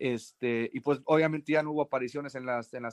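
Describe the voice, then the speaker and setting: This man has a plain, everyday voice with a fairly high pitch and fairly even intonation. He talks at a fairly quick pace, and the sound is dry and close with no echo. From Mexico, Guadalajara. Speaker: independent musician, caller. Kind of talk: casual question from caller.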